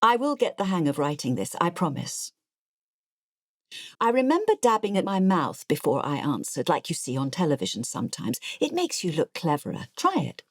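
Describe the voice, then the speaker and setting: Audiobook narrator: elderly English ex-nurse, artless and confiding, low register, lively inflection, dry close sound. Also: female voice, normal speed, dry recording, heavily acted. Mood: confiding, digressive. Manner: confiding, digressive, matter-of-fact. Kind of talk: audiobook first-person narration.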